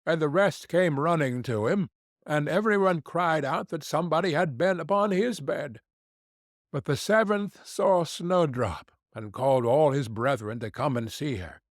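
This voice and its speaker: A man narrating a fairy tale for an audiobook in a measured storytelling manner. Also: fairly high pitch, no room sound, clean studio sound.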